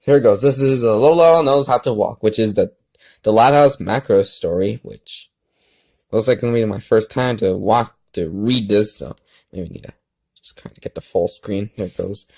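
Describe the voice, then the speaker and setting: A man in a casual, halting vlog style, rambling and restarting as he hosts a fan fiction reading. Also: lowish voice, gravelly, a little mellow.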